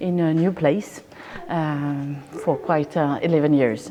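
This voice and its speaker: A woman speaks in a French accent. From France. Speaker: fascia therapist. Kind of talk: lecture. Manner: halting.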